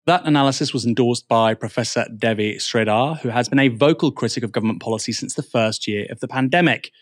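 Man, news show host, scripted presenting, medium pitch, very dry studio sound. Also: fast talker, no echo.

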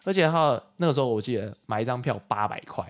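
A man with a Taiwanese accent chats casually as a co-host. He explains things with earnest enthusiasm in an average-pitched male voice. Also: expressive, quick pace. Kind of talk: casual chat.

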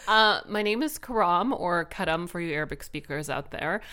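A woman's voice: fairly low pitch, lively intonation, normal speed, sharp tone. A woman in her twenties from the Middle East, a podcast guest who chats in a bubbly way with many ums and laughs. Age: 20s. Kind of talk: casual interview chat.

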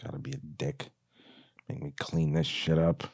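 A man's voice: rumbling low, flat delivery, moderate pace, a little mellow, pitched below the performer's own voice. A man voicing a grumbling, bitter young man from a film script. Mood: muttering, bitter.

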